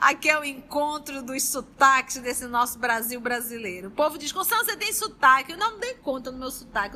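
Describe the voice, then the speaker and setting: Raised and projected, a woman's high-pitched voice has a bright, sharp tone and lively intonation, moving at a fairly quick pace with hardly any pauses. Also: big swings in loudness. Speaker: study group leader. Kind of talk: opening of online study group.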